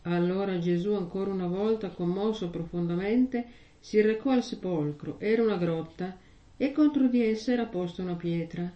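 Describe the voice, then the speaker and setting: A woman preaches to a congregation, first reading scripture in slow, weighty phrases, then talking it through plainly with questions to her listeners. Her voice sits at a middling pitch. She sounds far from the mic in a roomy church, and the recording is muffled and lo-fi. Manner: slow, measured reading with heavy pauses; conversational preaching with rhetorical questions. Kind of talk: gospel reading and sermon. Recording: echoey, distant, dull lo-fi sound.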